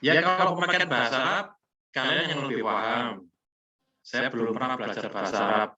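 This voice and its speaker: A middle-aged man from Malang with a Malang Javanese accent, giving a relaxed, chatty online lecture. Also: medium pitch, a little fast. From Malang, East Java. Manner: relaxed, chatty, slangy explaining. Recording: echoey distant dull online call audio.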